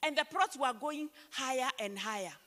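A Kenyan woman pastor preaches into a handheld mic, her high, bright voice pressing each point with emphasis. She slows down to read scripture aloud, and long church reverb trails her words. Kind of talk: sermon. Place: church stage, large hall.

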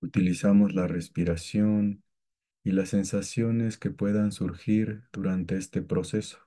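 Guy leading a guided meditation, super slow, flat even tone, gentle and soothing. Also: fairly low pitch. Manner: calm, gentle, soothing, with long pauses. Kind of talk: guided meditation, scripted instruction.

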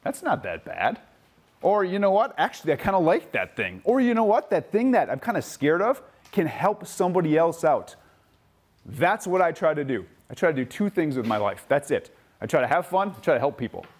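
A man's voice: on the high side, a little fast. A man giving an upbeat motivational talk to kids at a safety camp, telling stories and acting out children's voices. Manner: animated storytelling, acts out kids' voices. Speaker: camp speaker. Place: outdoor camp event.

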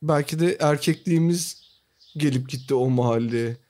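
A man's voice: a little high, normal speed, a little mellow. A man co-hosting a podcast, making absurd jokes in a dry manner and teasing with questions. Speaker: podcast co-host. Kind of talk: casual chat.

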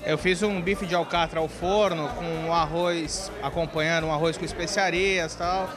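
Relaxed Brazilian man interviewed at a party. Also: fairly high pitch, normal speed, music in the background, a crowd in the background. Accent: Brazilian Portuguese. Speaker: store sponsor guest. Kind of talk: casual interview answers.

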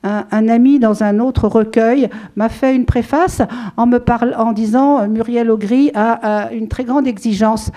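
Middle-aged french woman rambling into a handheld mic, lots of euhs and restarts, high mellow voice. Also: steady tone, unhurried. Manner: rambling, many fillers and restarts, light laughs. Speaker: author at a book event. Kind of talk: casual spoken talk to an audience. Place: small room with a seated audience.

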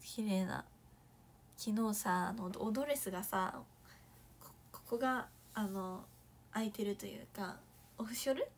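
A young woman chatting casually on a morning live stream, reading viewer comments, thanking viewers in a bubbly way and sometimes dropping to a soft whisper. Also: medium pitch, unhurried, long pauses, a little hiss or hum.

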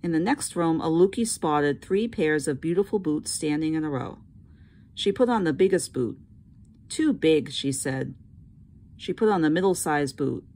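A woman teacher reading a children's storybook aloud with expressive narration. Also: deep voice, moderate pace.

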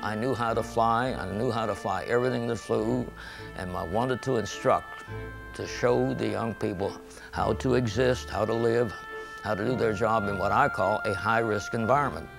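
An older man from western Pennsylvania, seated in a studio, recounting his memories in a measured, halting way with many pauses. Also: on the low side, gravelly, over music, rough recording. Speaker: veteran interviewee. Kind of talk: recorded oral history interview. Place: indoor studio with painted backdrop.

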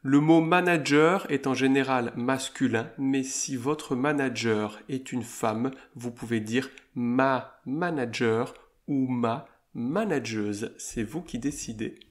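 A man teaching a video lesson, explaining words slowly and carefully and spelling out letters. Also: medium pitch, roomy sound. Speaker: French teacher.

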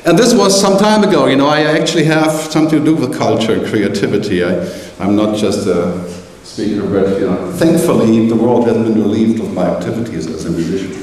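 A man's voice: fairly low pitch, a little fast, few pauses. Middle-aged man, keynote speaker, wry asides, heard from far off in a very echoey hall. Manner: animated, gesturing, joking asides. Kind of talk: conference keynote. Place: large conference hall. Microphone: headset mic.

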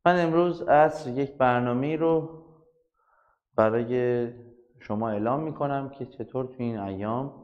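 A soft-spoken man teaching physics in an online class, chatting directly to his students. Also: mid-range voice, highs cut off.

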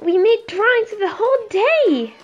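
A woman voicing an excitable, sweet little girl pony in an amateur cartoon, with a childlike, gushing manner. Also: very high-pitched, moderate pace, dull audio. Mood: friendly.

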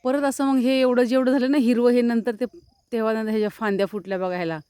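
A woman's voice: on the high side, fairly even intonation, fast talker, mellow, smooth, dry recording. A woman vlogger, chatting casually as she walks around her farm showing trees and cattle. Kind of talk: casual walk-around vlog narration. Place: outdoors on a rural farm among trees and cattle.

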